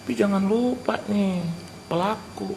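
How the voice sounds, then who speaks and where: A middle-aged male pastor preaching a sermon, animated, acting out conversations and mixing in English phrases. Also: high voice, unhurried, vocal fry. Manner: animated preacher who acts out dialogues and drops English phrases. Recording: noisy live sermon recording.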